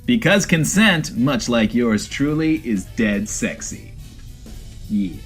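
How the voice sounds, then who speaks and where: A man's voice: medium pitch, sing-song, takes it slowly, soft background music. A man playing a flirty, self-admiring host of a post-apocalyptic radio show, theatrical and rambling, in a comedic audio drama. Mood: smug, flirty.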